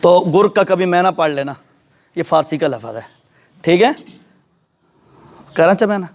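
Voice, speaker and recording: A man's voice: high voice, creaky. A man giving a sermon in a mosque, telling a story and checking in with his listeners. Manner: animated storyteller, addresses audience directly. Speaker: preacher.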